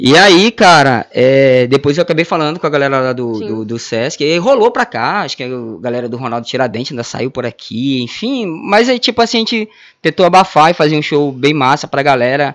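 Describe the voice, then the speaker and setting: On a very clean recording with a silent background, a man with a northern Brazilian accent speaks at a fairly quick pace with very wide pitch swings. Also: fairly high pitch for a man. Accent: northern Brazilian Portuguese (Manaus). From Manaus, Amazonas, Brazil. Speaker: rapper and cultural organizer. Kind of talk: casual interview.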